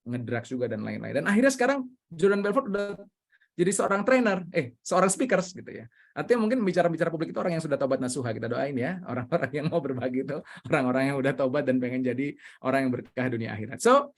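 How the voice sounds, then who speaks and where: A man leading an online training session over a video call, energetic and coaxing his audience. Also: mid-range voice, fast talker.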